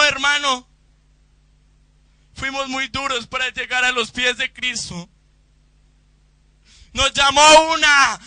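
A man preaching a Pentecostal sermon in church, fervent and rising to shouts during prayer, on a close microphone. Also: very high-pitched, no room sound. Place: church service.

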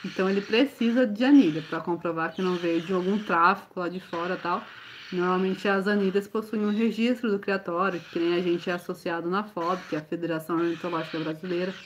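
A woman's voice: lowish voice, steady tone, quick pace. A woman with a Brazilian accent hosting a casual livestream as a bird breeder, answering viewer questions one after another. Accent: Brazilian Portuguese. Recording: slightly dull livestream audio, faint noise.

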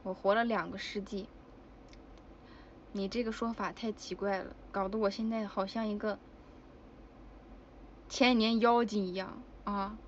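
A woman's voice: medium pitch, steady tone, measured pace, pauses often, lo-fi sound, a little hiss or hum. A woman chatting casually with fans on a livestream, giggly and exclamatory. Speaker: idol livestreamer. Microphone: phone.

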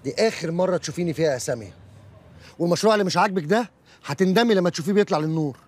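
A man's voice: high voice, lively intonation, very fast. An actor playing a touchy, defensive man breaking up with his partner, with an Egyptian Arabic accent. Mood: indignant. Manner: defensive, melodramatic.

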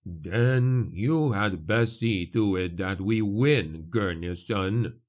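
A man voicing a solemn, cryptic male dwarf priest in a fantasy audiobook, making measured, portentous pronouncements. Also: fairly low pitch, darkish tone. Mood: grave, urgent.

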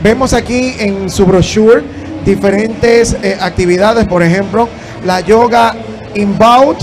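A man in his thirties hosting a TV interview at a trade fair, upbeat and quick with his questions on a handheld mic. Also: sits high, noisy background. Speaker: TV show host. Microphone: handheld microphone.

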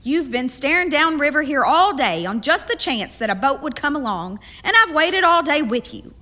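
An actress plays a headstrong, hospitable pioneer woman in a radio drama. Her bright voice rises and falls freely as she argues and teases in earnest. It carries a long, hall-like reverb. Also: high voice, big pitch swings, normal speed, full character voice. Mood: spirited, teasing. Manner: earnest, teasing, argumentative. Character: spirited, persistent, hospitable frontier woman. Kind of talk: period radio drama acting.

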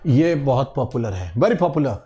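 A man with an Indian accent teaching English idioms in an online exam-prep lecture, switching between Hindi and English, repeating phrases slowly and asking students if they understood. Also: medium pitch, big pitch swings, mellow. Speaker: English teacher for bank exams.

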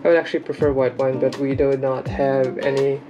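A woman's voice: extremely low pitch, flat delivery, a little fast, muffled recording, over music. A woman casually explaining each step as she cooks lunch in her home kitchen for a vlog. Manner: explains steps plainly, step by step. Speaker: vlogger cooking lunch. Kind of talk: casual cooking vlog voice-over.

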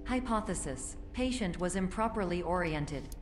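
A woman voicing the malfunctioning computer of a therapy program in a video game, as a glitching robotic system voice with a flat, clipped announcer delivery. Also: on the low side, normal speed, music in the background. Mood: clinical. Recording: long echoing reverb with clear hiss.

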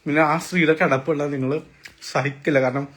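A young vlogger live streams from inside his apartment, chatting casually and teasingly to viewers into a phone. His voice is a little high and fairly bright, with fairly even intonation and a fast pace.

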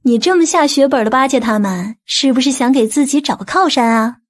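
Woman doing a teasing businesswoman in an audiobook, high voice, kinda coy and reproachful. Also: a little fast. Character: pert, teasing businesswoman in a novel.

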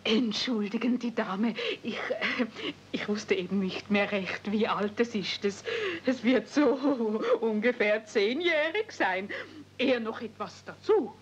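A woman's voice: fairly high pitch, measured pace, lightly acted. A woman playing an evasive young aunt in domestic service, polite and deferential, in a 1970s radio play. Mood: flustered, evasive. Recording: dull, noisy old cassette transfer.

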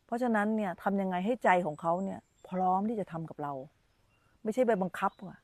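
A woman's voice: mid-range voice, darkish tone, dry recording. Chatty woman meditation teacher, dry sound. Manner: chatty, repeats phrases, chats with children off the cuff. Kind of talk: informal dharma talk on a live stream.

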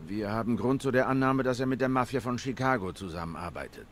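An actor playing a hard-boiled black cat private detective in a noir game, measured, serious and terse. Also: male voice, mid-range voice, a little hiss or hum, natural voice. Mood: stern. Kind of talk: cinematic noir game acting.

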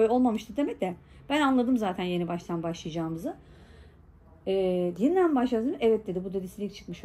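A woman's voice: mid-range voice, mellow. A pregnant young woman vlogger telling her viewers about an argument, quoting each line with repeated asides. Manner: indignant, quotes dialogue with constant "dedim" asides. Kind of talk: casual storytelling to viewers.

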